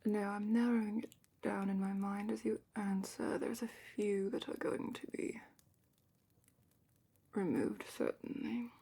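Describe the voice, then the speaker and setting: A woman playing a calm, attentive dragon matchmaker in a slow, whispered ASMR roleplay with thoughtful pauses. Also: mid-range voice. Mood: calm, curious. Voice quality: breathy, whispery. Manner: slow, gentle, thoughtful questioning with murmured pauses. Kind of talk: soft-spoken ASMR roleplay, largely whispered.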